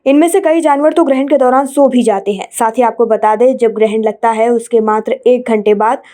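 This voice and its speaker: A woman's voice: fairly high pitch, a little fast, dark tone. A woman news presenter narrating scripted bulletins in a formal, read-out manner.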